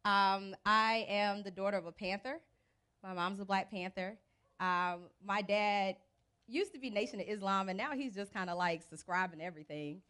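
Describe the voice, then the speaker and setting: A young American woman from Birmingham, Alabama and Cleveland, Ohio, works as a teacher coach and gives a chatty, casual, colloquial presentation to a live audience under a large outdoor event tent. She speaks into a handheld mic through PA speakers in a smooth, bright, forceful voice of medium pitch at a moderate pace.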